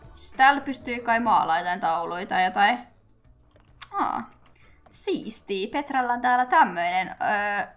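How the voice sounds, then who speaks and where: A woman's voice: mid-range voice, vocal fry, fairly bright tone. A young woman casually chatting her way through a Let's Play, giggling and talking to the characters on screen. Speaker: gaming YouTuber.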